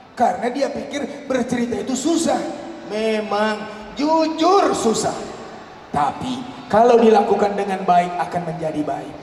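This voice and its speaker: High-pitched male trainer in an echoing hall. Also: darkish tone. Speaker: storytelling workshop trainer. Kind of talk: live workshop talk to teachers, theatrical storytelling. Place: large indoor hall at a live event. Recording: very echoey hall, far off, faint noise.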